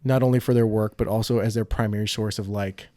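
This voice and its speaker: A man hosting a casual podcast interview as a physical therapist, talking in relaxed, joking banter with many fillers. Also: lowish voice, fast, dry recording, clean studio sound.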